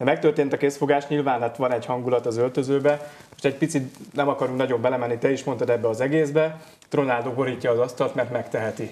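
Words tumble out of a man at a very fast pace. He keeps a monotone, flat intonation. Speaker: football pundit. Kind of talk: studio panel discussion. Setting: studio. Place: studio.

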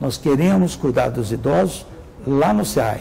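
Light background noise sits under a man's fairly high-pitched voice. He talks at a moderate pace with lively intonation. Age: 60s. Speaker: city councillor and physician; city councillor. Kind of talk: interview. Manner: halting, repeats words. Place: studio. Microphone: lapel.

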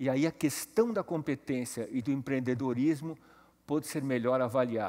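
The man's tone is dark and mellow, with ordinary pitch variation. Nothing can be heard in the quiet background. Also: moderate pace. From Brazil, São Paulo. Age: 50s. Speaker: business executive. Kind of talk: motivational talk. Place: stage. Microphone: headset.

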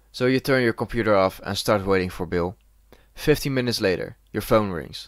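The background is quiet, and the sound is dry with no echo. A man speaks with ordinary pitch variation. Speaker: horror game YouTuber. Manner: animated, theatrical, with teasing asides and laughs. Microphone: studio mic.

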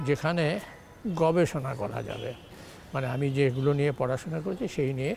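A man with a fairly high voice speaks with ordinary pitch variation, his dry sound carrying no echo over faint music in the background. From Bangladesh, Dinajpur; Bangladesh. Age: 70s. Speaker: retired physics professor. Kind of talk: interview. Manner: halting. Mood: earnest, concerned. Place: street. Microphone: lapel.

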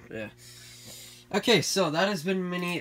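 A man talks at a fairly quick pace. Loud background noise fills the clip. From Canada. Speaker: YouTuber, fire alarm hobbyist. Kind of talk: casual video demonstration; casual hobby demo narration. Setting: home, on a Skype call. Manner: casual with frequent fillers. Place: home room. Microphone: phone near.

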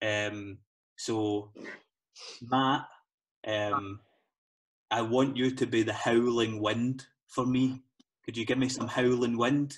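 Very slow, flat monotone speech in a Scottish accent, with long, frequent pauses over a quiet background. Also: man. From Scotland. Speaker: spoken word poet. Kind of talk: introducing a poem at an online gig. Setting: online video gig. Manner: casual, playful. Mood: playful, warm. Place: home room. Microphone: video call.

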